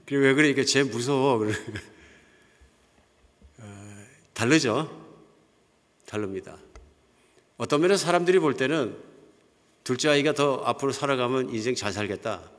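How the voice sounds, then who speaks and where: An older pastor with a medium-pitched voice preaches at a normal pace with long pauses, telling anecdotes conversationally and chuckling softly. Long hall reverb fills the church sanctuary.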